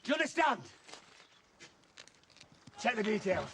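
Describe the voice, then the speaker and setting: A bullying, high-pitched soldier. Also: male voice, big pitch swings, a little slow, creaky, sharp tone, slight background noise, heavily acted. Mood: barking. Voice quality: harsh and abusive. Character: brutal, bullying male soldier barking orders. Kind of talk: film drama acting.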